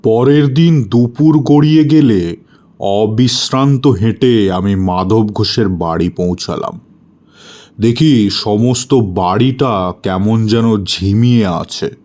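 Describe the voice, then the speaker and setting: A man's voice: lowish voice, dark tone. A man storyteller giving a dramatic first-person narration of a horror story. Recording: music bed under the voice.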